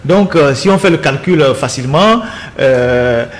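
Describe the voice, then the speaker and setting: A man's voice: mid-range voice, expressive, unhurried. A man speaking as a political commentator in a heated panel debate, indignant and insistent, repeating words as he builds each point. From Togo.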